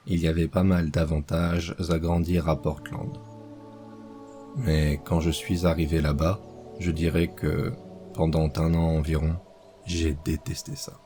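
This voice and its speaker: A man reading a horror story aloud as scripted narration, slow and measured. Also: low-pitched, mellow.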